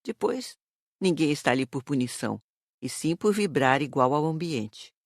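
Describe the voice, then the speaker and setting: Expressive Brazilian man as a spirit instructor. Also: on the high side, moderate pace, creaky, no echo, studio quality. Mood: serene, instructive. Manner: didactic, declarative. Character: serene spirit instructor giving an explanatory lesson. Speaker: audiobook voice actor. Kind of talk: audiobook dramatised reading.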